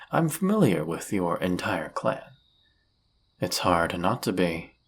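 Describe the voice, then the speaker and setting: A man playing an arrogant demon prince of lust in an audio roleplay, speaking in a suave, condescending, flirtatious manner with a husky, gravelly voice. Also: sits low, full character voice. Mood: smug, knowing. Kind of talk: scripted audio roleplay addressed to the listener.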